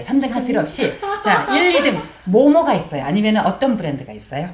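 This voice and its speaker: Fairly quick pace amid noticeable background noise. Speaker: radio program host. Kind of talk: radio talk show interview.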